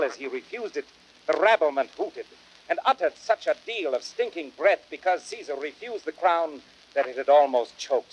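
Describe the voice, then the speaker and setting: An actor playing a sour, blunt, scornful Roman cynic with dry, sardonic classical stage delivery. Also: male voice, mid-range voice, close to an everyday voice. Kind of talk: classical Shakespearean radio drama acting. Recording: noisy vintage spoken-word drama record.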